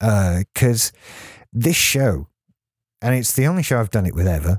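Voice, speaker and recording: Recorded very clean with a silent background and a dry, close sound with no echo, a man with a British accent speaks at a fairly low pitch with lively intonation. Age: 30s. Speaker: podcaster. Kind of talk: casual solo live podcast. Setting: home studio, live recording. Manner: rambling, easily distracted.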